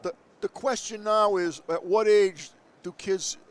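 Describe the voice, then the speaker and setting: A man's voice: high-pitched, steady tone, a little slow. An older man hosting a podcast at a trade show, chatty and enthusiastic in a casual interview. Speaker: podcast host. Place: busy trade show floor.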